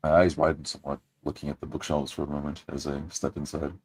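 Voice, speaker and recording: A man's voice: rumbling low, level tone, quick pace, a little mellow, husky, no room sound. A man playing a tabletop game, describing what his character does.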